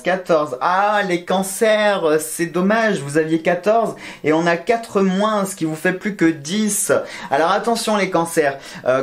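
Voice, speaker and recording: Playful man reading weekly horoscopes. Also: high voice. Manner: playful and joking, counting scores aloud. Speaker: astrology and tarot reader.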